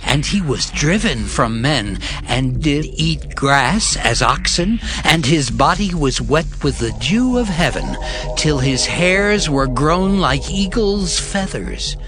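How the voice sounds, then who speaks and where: A man narrating scripture dramatically, with measured, solemn storytelling delivery. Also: a little high, very animated. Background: loud music.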